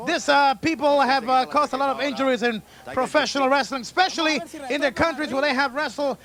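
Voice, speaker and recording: A man calling a wrestling match play-by-play as a lucha libre announcer, with an excitable manner. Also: very high-pitched, fairly quick, crowd noise.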